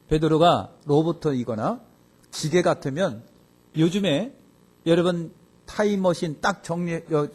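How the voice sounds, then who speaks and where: Korean pastor preaching with loud outbursts. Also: male voice. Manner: swings between loud exclamations and quiet asides; acts out quoted speech in a lower voice. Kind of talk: sermon.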